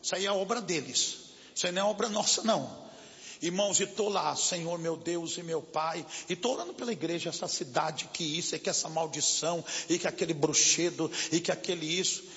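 A man's voice: a little high, fairly quick, fairly bright tone. A man preaching a sermon and praying for deliverance, fervently rebuking and repeating his phrases in rhythm. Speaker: pastor. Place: church hall. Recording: dull lo-fi recording with long hall reverb.

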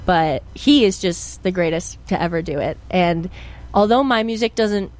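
Young woman guest, chatty and bubbly, pitched a little low, casual interview. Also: normal speed, darkish tone. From Pennsylvania. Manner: bubbly, chatty, full of fillers. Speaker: guest musician.

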